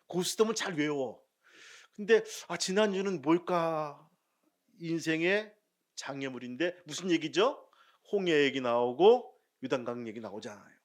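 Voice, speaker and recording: A male pastor delivers a Sunday sermon in a somewhat high voice. He quizzes and teases his congregation, and he alternates booming emphasis with soft asides. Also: animated, unhurried. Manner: asks the congregation questions and jokes with them; swings between loud emphasis and quiet asides.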